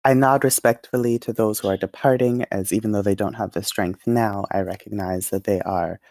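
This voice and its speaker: A man's voice: fairly low pitch, fairly even intonation, brisk, a little mellow. A man playing a tabletop role-playing game, talking casually as a player. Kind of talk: casual game chat, some in-character narration.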